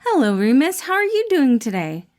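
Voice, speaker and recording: A woman voicing a kind, caring male boss who speaks in a bright, encouraging way. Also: high voice, huge pitch swings, normal speed, voice pushed up.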